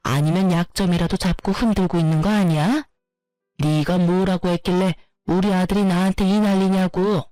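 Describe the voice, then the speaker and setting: A woman's voice: on the low side, fairly even intonation, normal speed, dark tone, no room sound, faint music behind, close to an everyday voice. A woman voicing a harsh, scolding older mother-in-law. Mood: berating. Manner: scolding, insulting, berating.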